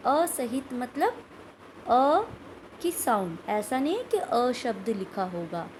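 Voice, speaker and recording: A woman's voice: on the high side, sing-song, a little slow, darkish tone, slight background noise, poor audio. A woman teaching a recorded school Hindi lesson, explaining step by step and repeating words and sounds aloud. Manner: asks questions of pupils, adds "ठीक है" often.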